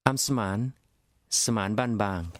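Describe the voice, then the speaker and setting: A man's voice: on the low side, unhurried, fairly bright tone, no room sound, studio quality. A man playing an earnest, modest applicant for a bartending job in a scripted English lesson dialogue, answering politely and plainly.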